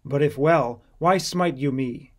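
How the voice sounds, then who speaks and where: Man playing a resolute male holy teacher, calm, measured, firm, slightly high voice, scripture audiobook. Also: close to an everyday voice. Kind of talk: dramatized scripture audiobook reading.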